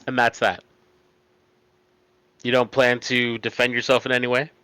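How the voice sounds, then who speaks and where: Bright-voiced man acting as a stern magistrate, formal, probing, crisp, tabletop fantasy game. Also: medium pitch, completely flat delivery, moderate pace, no echo, lightly acted. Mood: stern, questioning. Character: stern magistrate questioning a prisoner from the bench.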